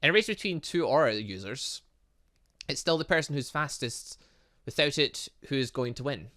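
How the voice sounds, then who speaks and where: A man's voice: mid-range voice, expressive, normal speed, pushed and bright, no room sound, clean studio sound. A man voicing an upbeat, easygoing young male personal trainer in a video game, instructive and encouraging. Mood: explaining.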